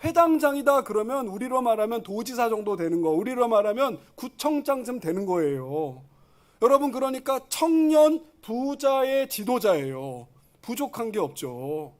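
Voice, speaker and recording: A male pastor preaching a sermon, animated and full of rhetorical questions to the congregation. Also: extremely high pitch, moderate pace.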